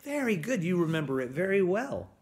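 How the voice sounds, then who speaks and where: A male music teacher giving a gentle, encouraging music lesson to young children from home. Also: sits high, sing-song, fairly quick. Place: at home on a bed.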